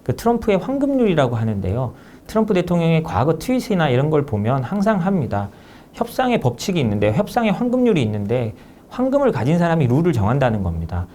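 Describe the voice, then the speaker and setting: Man, interview guest, lively rising and falling pitch, warm mellow tone, emphatic explaining. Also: slight background noise. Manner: measured, emphatic analytical explaining.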